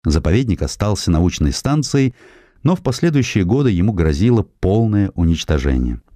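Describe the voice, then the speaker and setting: A man reads a scripted historical essay as an audiobook narrator, in an expressive, measured storytelling manner. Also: sits low, no echo, clean studio sound. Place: studio.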